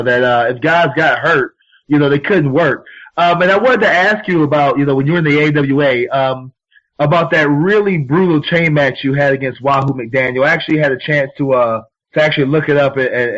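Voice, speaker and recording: A man's voice: on the high side, a bit bright. A man co-hosting a show asks questions casually, with informal, wordy lead-ins. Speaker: interviewer, show co-host. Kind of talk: casual conversational interview. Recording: dull lo-fi audio.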